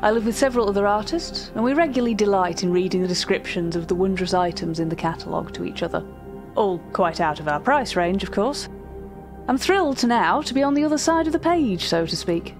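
A woman playing a cultured, earnest art curator, narrating a fiction podcast in a formal, precise and measured manner. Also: medium pitch, music in the background, natural voice. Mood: formal, gracious.

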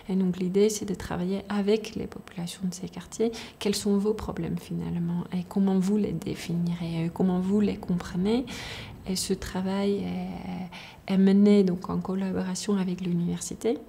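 A woman, answering interview questions thoughtfully, with many pauses and restarts, in a lecture hall. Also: lowish voice, creaky, warm tone, slight background noise. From Netherlands. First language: Dutch. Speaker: conflict transformation researcher. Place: indoor lecture hall with red seats.

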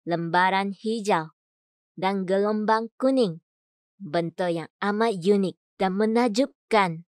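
A woman reading scripted voice-over in a measured, clearly enunciated way. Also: mid-range voice, darkish tone, no echo, clean studio sound. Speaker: voice-over artist. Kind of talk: scripted voice-over demo: adverts, narration, announcements.

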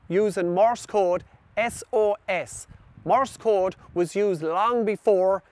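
A man, talking with a fairly high voice. He walks young viewers through bushcraft skills step by step in a friendly, demonstrative way. The sound is dry and close even though he is out in a forest. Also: no echo. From Ireland. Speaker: bushcraft presenter. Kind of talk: presenting outdoor tips to children. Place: outdoors in a forest.

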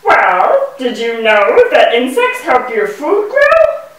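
Lady doing a busy little bee puppet for kids, sing-song explaining, high voice, echoey room, mic far off. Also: wildly swooping pitch, takes it slowly, a bit bright, full character voice. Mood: earnest. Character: gentle, busy female mason bee puppet, earnest. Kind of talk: rhyming children's educational puppet show. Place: indoor puppet stage in a room. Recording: echoey room, distant microphone.

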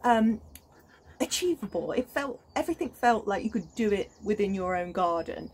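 A woman's voice: mid-range voice, animated, moderate pace, slightly rough. A woman in her thirties with a British accent, chatting casually to camera on her allotment, enthusiastic and full of ums and restarts. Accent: British English. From United Kingdom. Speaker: gardening vlogger. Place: outdoors on an allotment plot.

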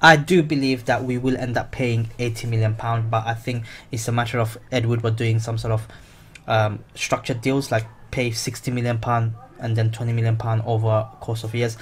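A young man talks straight to camera, repeating his points and stumbling over fillers. His voice sits in an ordinary middle pitch. A faint hum stays in the background. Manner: blunt, repeats himself, many fillers. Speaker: football vlogger. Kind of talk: casual opinionated commentary.

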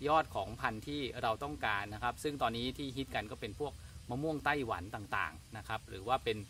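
A man in his thirties giving a polite, steady gardening demonstration outdoors at a plant nursery. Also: medium pitch, fast talker, faint music behind. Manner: polite, steady instructional delivery. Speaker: farm channel host.

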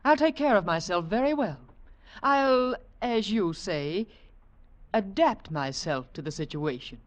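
A woman's voice: mid-range voice, lively intonation, measured pace, no room sound, natural voice. A woman playing a cool, seductive, self-assured femme fatale in a 1940s radio drama. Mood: defiant. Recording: dull vintage radio recording.

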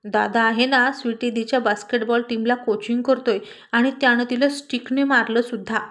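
A cheeky little girl pouts and tells on her older brother in a storybook tale, voiced by a woman narrator. The voice is fairly high and sounds put-upon. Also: fairly even intonation, normal speed, a bit bright, lightly acted. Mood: pouting. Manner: pouting, tattling.

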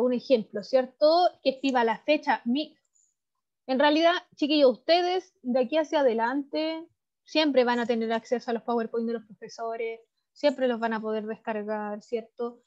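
High-voiced Chilean teacher on a call. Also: female voice, darkish tone. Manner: frequent tag questions, explanatory. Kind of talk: online class lecture. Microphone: video call. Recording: dull lo-fi video call audio.

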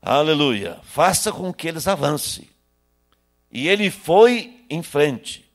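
Speaking slowly and very animatedly, a pastor from Brazil in his sixties delivers a sermon through a handheld mic in a small church hall. His voice sits on the high side and alternates loud outbursts with quiet asides.

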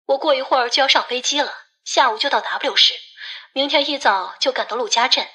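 A woman acts out a cautious, shrewd woman in audiobook dialogue. Her voice is high and bright, and she questions and advises in a controlled way. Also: a little fast. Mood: cautious advising.

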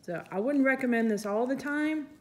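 A woman's voice: high-pitched, moderate pace, darkish tone, a little hiss or hum. A woman chatting casually as she demonstrates resin crafting at a table, thinking aloud and poking fun at herself, with a voice others call soothing. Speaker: resin artist, channel host. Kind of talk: casual crafting tutorial narration.

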